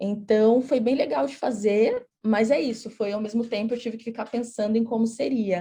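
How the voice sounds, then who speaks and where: The voice has a dark, mellow tone and is somewhat breathy, moving at a moderate pace with ordinary pitch variation. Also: woman. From Brazil, São Paulo. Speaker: illustrator and visual artist. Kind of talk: presentation of own work. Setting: video call. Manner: halting, many fillers and restarts.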